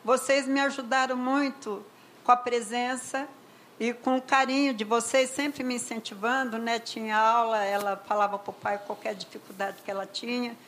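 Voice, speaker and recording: An older woman with a Brazilian accent, telling a personal story as a mother in an emotional, conversational way, often trailing off softly. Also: on the high side, steady tone, normal speed, slight background noise, poor audio. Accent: Brazilian Portuguese. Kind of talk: personal testimony.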